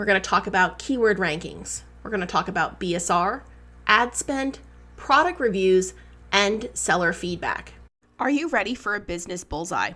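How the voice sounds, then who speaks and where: A woman speaks at a moderate pace in a bright, sharp tone with vocal fry. The recording is very clean, with a silent background. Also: medium pitch for a woman, lively intonation. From New England. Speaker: online course instructor. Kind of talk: tutorial. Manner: conversational.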